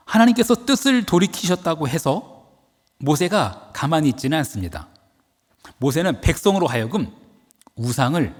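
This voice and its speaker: A man's voice: medium pitch, husky, big-room sound. A male pastor delivering a dawn-service sermon with dramatic, emphatic storytelling. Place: church sanctuary.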